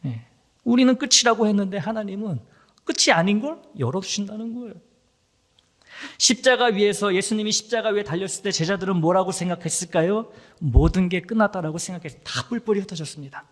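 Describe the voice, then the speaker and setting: A man's voice: sits high, expressive, brisk. A man preaching a sermon as pastor, acting out quoted voices and sometimes dropping to a whisper. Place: church sanctuary. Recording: long hall reverb.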